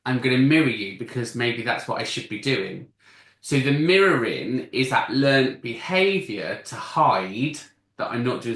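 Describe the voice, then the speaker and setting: A man's voice: medium pitch, a bit bright, reverberant. A man in a casual panel discussion who explains at length in long stretches, often restarting his sentences. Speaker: panel guest explaining masking.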